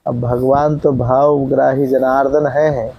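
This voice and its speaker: A man teaching a scripture class, reciting verses slowly and then explaining their pronunciation in a conversational way, often checking in with his listeners. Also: medium pitch, little pitch movement, gravelly, dark tone, poor audio.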